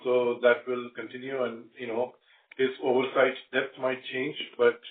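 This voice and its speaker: A male company executive speaking haltingly on an earnings call, leaning on repeated filler phrases. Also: medium pitch, flat delivery. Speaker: company executive answering analysts. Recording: roomy, distant phone-like conference line.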